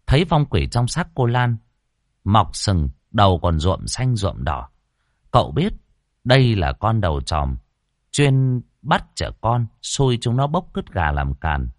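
A man narrating a ghost story in a colloquial, expressive way. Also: lowish voice, a little slow, no echo, clean studio sound.

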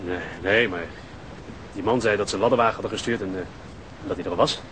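A man's voice: fairly low pitch, fast talker, fairly bright tone, a little hiss or hum, lightly acted, rough recording. Stammering, flustered policeman played by a man. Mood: nervous, evasive. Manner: stammering, hesitant, repeating himself. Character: flustered, evasive, cowed male policeman-caretaker. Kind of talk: radio drama acting.

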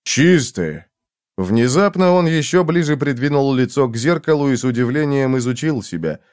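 A man reading a novel aloud as an audiobook narrator, dramatic and expressive. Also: medium pitch, fairly quick, clear, resonant tone, no echo, studio quality. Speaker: audiobook reader. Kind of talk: scripted narration.

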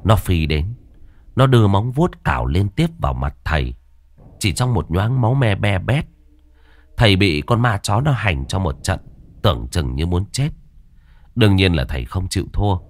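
A man narrating a horror story in an expressive, suspenseful way. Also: sits low, moderate pace.

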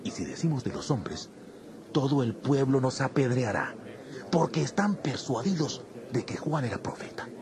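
An actor playing a wary, indignant temple priest in a dramatized audio Bible, declaiming in a confrontational way. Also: male voice, medium pitch, lively intonation, moderate pace, lightly acted. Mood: wary, calculating. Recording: crowd murmur around the voice. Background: crowd.

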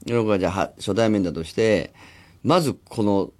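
A man in his forties, a radio host, talking in rambling casual chat with animated acted-out asides, in a studio. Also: on the low side, quick pace. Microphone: studio microphone.

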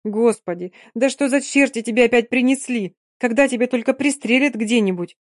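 A woman's voice: fairly high pitch, expressive, a little fast, no room sound, studio quality, pitched above the performer's own voice, close to an everyday voice. A woman reading a novel aloud, voicing a proud young Gypsy singer who speaks sharply and with passion. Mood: furious. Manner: sharp, impassioned.

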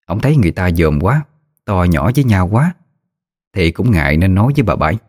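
A man narrating a ghost story in a steady, somber storytelling manner. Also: deep voice, fairly quick.

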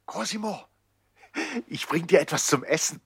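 A man's voice: on the high side, lively intonation, moderate pace, creaky, fairly bright tone, breathy edge, no room sound, heavily acted. An actor playing an eager, anxious young boy, earnest and pleading, in a 1960s radio play. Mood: earnest, concerned.

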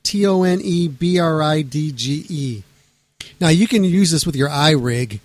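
A man's voice: fairly high pitch, unhurried, no room sound. Guy hosting a radio show, rambly and hyped, cussing casually, dry close mic. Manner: rambling, excitable, swears casually. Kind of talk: casual late-night radio chat.

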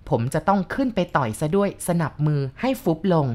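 A woman narrating a first-person ghost story in a steady, even reading voice. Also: lowish voice, brisk.

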